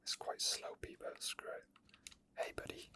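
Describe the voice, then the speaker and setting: Playing a video game, a male streamer offers improvised ASMR commentary in a breathy whisper with almost no voicing. His unhurried delivery is murmured and tentative, peppered with little asides.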